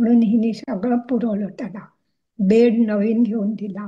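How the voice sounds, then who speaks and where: A woman speaks at a fairly high pitch with a dark, mellow tone. Her voice is somewhat breathy. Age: 80s+. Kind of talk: interview answer. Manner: lively.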